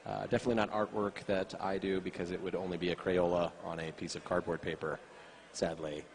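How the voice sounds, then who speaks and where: A young man casting an esports tournament, bantering in a deadpan, self-mocking way. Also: low-pitched, brisk. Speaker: esports caster. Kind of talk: joking esports commentary.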